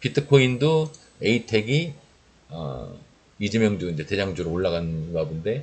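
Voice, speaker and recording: A man's fairly low voice, somewhat breathy, with very wide swings in pitch. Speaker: stock market commentator. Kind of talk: market analysis broadcast. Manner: fast.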